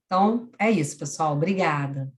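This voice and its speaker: A woman hosting a live webinar, speaking in a measured, formal way with frequent fillers. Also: sits low, expressive. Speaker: event host.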